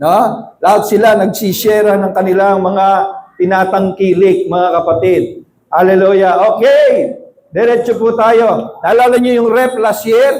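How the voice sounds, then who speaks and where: A man shouting in a high pitch, with ordinary pitch variation and audible room echo. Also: fairly slow pace, very even loudness. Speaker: pastor. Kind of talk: sermon. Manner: loud, shouting.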